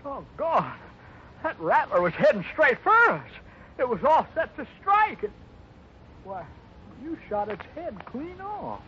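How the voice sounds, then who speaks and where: Casting: easily astonished cowboy, very high, hugely animated voice, folksy, dull old radio drama. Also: male voice, unhurried, heavily acted. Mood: amazed. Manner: exclamatory, folksy. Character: excitable, astonished cowboy ranch hand. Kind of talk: 1950s radio drama acting. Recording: dull, faintly noisy 1950s radio recording.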